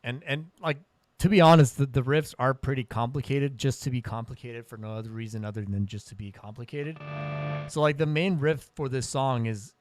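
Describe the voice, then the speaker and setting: A man's voice: mid-range voice, brisk, over loud music. A man, a guitarist and songwriter, chatting casually between riffs, rambling and swearing freely.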